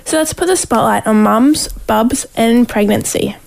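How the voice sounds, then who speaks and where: A woman's voice: fairly high pitch, measured pace, vocal fry, darkish tone. A woman with an Aboriginal Australian accent, presenting scripted segments as a radio host. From Western Downs region, Queensland, Australia.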